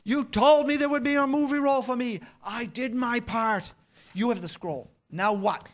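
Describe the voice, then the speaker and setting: A self-pitying TV star, played by a man at a staged reading. His voice rides high and whines. He is insistent and put-upon, in broad comedy fashion. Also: normal speed. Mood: indignant. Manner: whining, insistent. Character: whiny, self-pitying out-of-work male TV actor.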